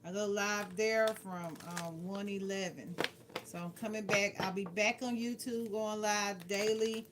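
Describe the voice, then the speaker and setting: This livestream tarot reader has a medium-pitched, steady voice and a measured pace. In her casual reading she gives blunt, playful advice, often repeating phrases for emphasis, while clicks and clear noise sit in the background.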